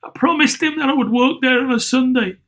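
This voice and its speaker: Grief-stricken father near tears, strained high and quiet, male narrator voicing him. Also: fairly quick. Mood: grieving. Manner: choked, breaking with grief.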